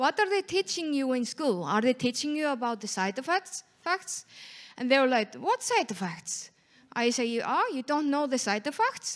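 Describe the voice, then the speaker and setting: A woman's high voice with an Icelandic accent and very wide pitch swings, set against a quiet background. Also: moderate pace. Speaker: editor, audience member; audience member. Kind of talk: audience question. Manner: halting. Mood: earnest, concerned. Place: hall. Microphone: handheld.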